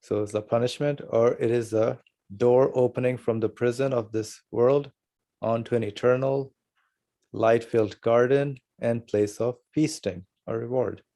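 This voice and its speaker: A man reading aloud from a religious text and calmly affirming his teacher. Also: mid-range voice, measured pace. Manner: calm, brief affirmations. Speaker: study partner reading the text.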